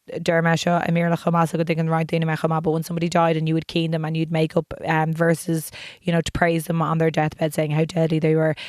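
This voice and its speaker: Speech comes at a fairly quick pace, delivered in a monotone with flat intonation. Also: woman, dry, close sound with no echo. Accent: Irish. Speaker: podcast co-host. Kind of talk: casual chat.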